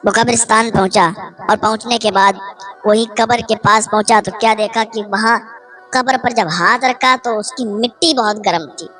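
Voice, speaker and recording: A woman's voice: a little high, steady tone, a bit bright. Woman preacher telling a moral story. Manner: earnest, moralizing. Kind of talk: storytelling religious sermon. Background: faint music.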